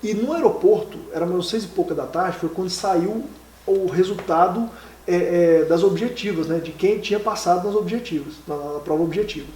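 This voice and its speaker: A man being interviewed, telling a personal story in a casual, lively and emotional way, with many fillers. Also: high-pitched, brisk, a little hiss or hum. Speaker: interview guest, exam candidate. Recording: echoey room, mic from a distance.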